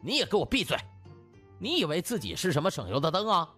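A man's voice: a little high, wildly swooping pitch, fast, bright, forceful tone, faint music behind, full character voice. A man voicing a scornful, assertive young doctor in an audiobook, scolding and challenging.

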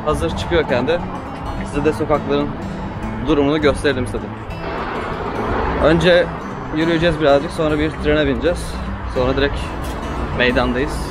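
A man's voice: on the high side, fairly even intonation, normal speed, long pauses. A young man hosts a casual vlog, talking to a handheld camera outdoors. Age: young adult. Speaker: vlog host. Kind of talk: casual chat to camera while walking. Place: outdoors in city streets and squares. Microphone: camera at arm's length. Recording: loud music over speech.

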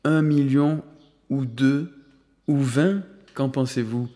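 Un vieux patriarche fortuné, exalté et malicieux, lu par un homme, parle avec emphase et fermeté. Sa voix, d'une hauteur moyenne, résonne dans une longue réverbération de salle. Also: male voice, medium pitch, fairly even intonation, slow, mellow, lightly acted. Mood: jovial. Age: older. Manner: enthusiastic, emphatic, playful. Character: exuberant elderly rich grandfather, suddenly generous. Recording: long hall reverb.

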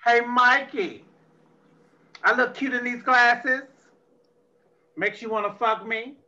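Brief: woman as a brash, bright-voiced, drunk, foul-mouthed tech crook; menacing swagger; lo-fi audio drama. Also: on the high side, takes it slowly. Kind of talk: amateur audio drama reading. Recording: dull lo-fi audio.

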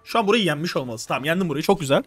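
A young man streaming live, coaching players through a strategy game with urgent, animated instructions. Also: fairly high pitch, racing, no echo.

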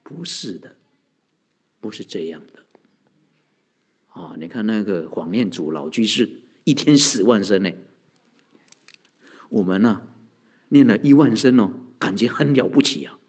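A man's voice: on the low side, lively intonation, unhurried, long pauses, a little mellow, slightly rough. A man, a Buddhist monk giving a conversational dharma talk, asking rhetorical questions and answering them, chuckling often. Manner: chuckles often, heavy use of sentence-end particles.

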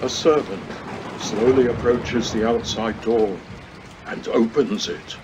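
A man's voice: mid-range voice, takes it slowly, lo-fi sound, noisy background. A man reading scripted storytelling narration for an audio pantomime, recorded over a video call. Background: music.

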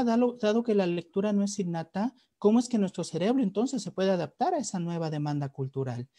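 A man's voice: a little high, mellow, dry recording, studio quality. A man with a Mexican accent giving an academic webinar talk on a video call, often hesitating and repeating words. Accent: Mexican Spanish. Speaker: webinar presenter. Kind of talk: academic presentation. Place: home room, on a video call. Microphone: webcam or computer mic on a video call.

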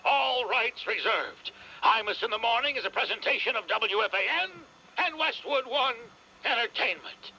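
صوت رجل رفيع حاد عبر راديو معدني رقيق. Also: male voice, extremely high pitch, expressive, moderate pace, sharp tone, slightly rough. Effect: tinny clock-radio sound. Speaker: station announcer. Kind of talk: scripted legal tag read. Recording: dull lo-fi radio broadcast.

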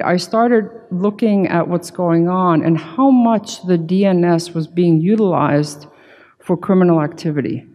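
A middle-aged woman with a low, soft-edged voice presents at a conference podium. She explains in an informal but emphatic way, and the big hall adds a long reverb around her words. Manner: emphatic, informal, peppered with "right" and "you know". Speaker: conference keynote speaker, security consultant. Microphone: podium gooseneck microphone.

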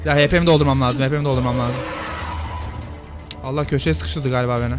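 A man giving casual let's-play commentary, excitable and shouting at the screen during a fight. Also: mid-range voice, brisk. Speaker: gaming youtuber. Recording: game music loud behind voice.

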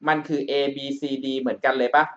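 A man's voice: mid-range voice, steady tone, fairly quick, bright, forceful tone, highs cut off. A male math tutor talking through an exam problem over a screencast, often checking in with the listener. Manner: calls himself by a big-brother nickname, checks in with the student often. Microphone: voice-over on a screen recording.

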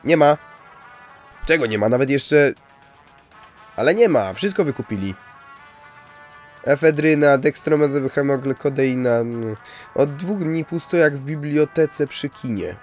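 A man's voice: a little high, a little slow, long pauses, a little mellow, faint music behind, natural voice. A man doing a curt grumbling pharmacist.

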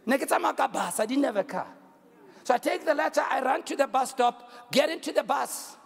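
A man with a South African accent preaching a sermon as a bishop, telling a story loudly and repeating phrases for emphasis. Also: very high-pitched, a little fast, vocal fry. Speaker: bishop and pastor. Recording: long hall reverb.

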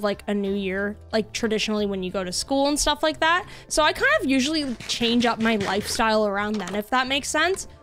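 A young adult woman streams a game, chatting in a bubbly, casual way with plenty of filler words. Her voice is fairly high with a fairly bright tone.

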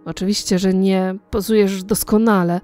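A woman voicing an irritable, quick-tempered young male painter in an audiobook reading, sounding exasperated. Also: medium pitch, steady tone, dark tone, soft background music, lightly acted. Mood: irritated.

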